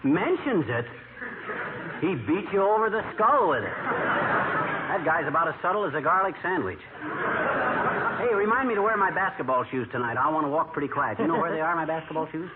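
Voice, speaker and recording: A man playing a boastful, excitable middle-aged husband in 1940s radio comedy, heard through an old AM radio broadcast. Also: a little high, phone-quality sound, heavy background noise. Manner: blustery, bragging, quick comebacks. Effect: old AM radio broadcast sound. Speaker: radio sitcom lead.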